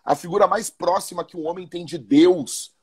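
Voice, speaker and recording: A man's voice: high-pitched, normal speed, a little mellow, slightly rough. A male pastor, talking casually and animatedly, often repeating and restarting his words. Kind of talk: casual podcast talk about marriage.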